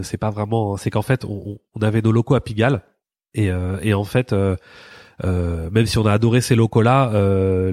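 A man's voice: fairly low pitch, a little mellow, no echo. A man from the Paris area, a creative agency co-founder, chatting in an interview and talking hesitantly with many fillers and restarts. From France, Paris area. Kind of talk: casual interview chat.

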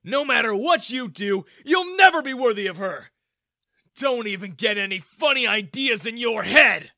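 Narrator putting on a furious bullying father, high and loud, lively swings, bright tone, dry sound. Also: normal speed, no echo, full character voice. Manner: sneering, shouting. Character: scornful middle-aged father, a bully.

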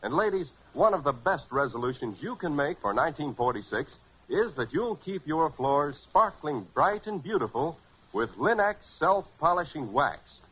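A man's voice: on the high side, fairly bright tone, slightly rough. An American man announcing in polished, emphatic 1940s radio style, as if selling every phrase. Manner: dramatic, emphatic, polished salesmanship. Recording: muffled 1940s radio recording.

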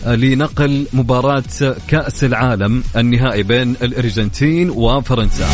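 A young man with a Saudi accent hosting a lively radio show, chatty and upbeat, answering his own questions. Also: a little high. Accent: Saudi Arabic. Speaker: radio host. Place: radio studio. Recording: studio radio with faint music.

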